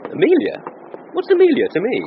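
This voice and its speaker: An actor playing a young, lovesick Victorian clerk who talks in an earnest, wistful way and doubts himself, in a period radio drama. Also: male voice, extremely high pitch, big pitch swings, a little fast, creaky, full character voice. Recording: dull recording with faint hiss.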